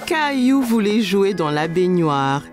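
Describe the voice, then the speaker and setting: A woman reading scripted narration for a children's story, telling it clearly for young listeners. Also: mid-range voice, sing-song, takes it slowly, over music.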